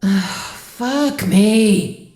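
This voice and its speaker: A woman's voice: medium pitch, extremely slow, warm tone. A woman playing a furious, sarcastic character in an audio drama, with a biting manner. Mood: angry. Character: furious, sarcastic woman forced to share a house. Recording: echoey room.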